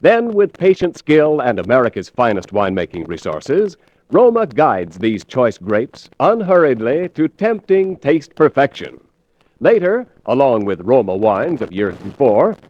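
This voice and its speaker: A man reading a sponsor's wine commercial in a smooth, persuasive 1940s radio style. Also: mid-range voice, darkish tone, no echo. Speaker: sponsor announcer. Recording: dull, dry old radio broadcast.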